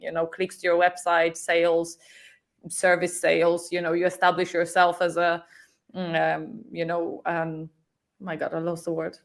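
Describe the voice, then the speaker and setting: A woman speaking as a guest in a casual panel discussion, informal and often searching for words. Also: fairly low pitch. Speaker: talk show guest.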